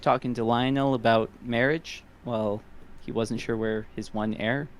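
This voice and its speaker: A man co-hosting a podcast, talking casually in an animated, exasperated way. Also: medium pitch, measured pace. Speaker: podcast co-host. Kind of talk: casual chat.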